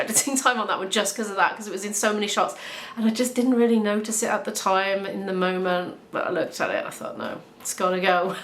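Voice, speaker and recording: A woman's voice: medium pitch, a bit bright. A young woman from Wales chatting casually to camera at home in a rambling, friendly way, laughing often as she talks. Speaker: vlogger. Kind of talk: casual vlog chat to camera. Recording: roomy room with faint background hiss.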